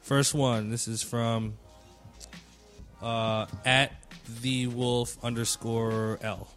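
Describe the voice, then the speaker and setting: A man's voice: medium pitch, flat delivery, drawn-out words, a bit bright. A man who works as a music producer hosting a panel in casual, slangy, conversational talk with some swearing. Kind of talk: casual chat.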